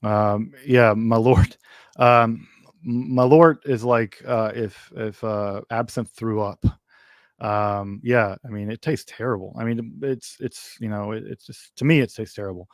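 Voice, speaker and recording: Low-voiced man rambling through a livestream Q&A. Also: fairly even intonation, a little slow, no room sound, clean studio sound. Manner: rambling, full of ums and restarts, wry asides. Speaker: host answering viewer questions. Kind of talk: casual livestream Q&A.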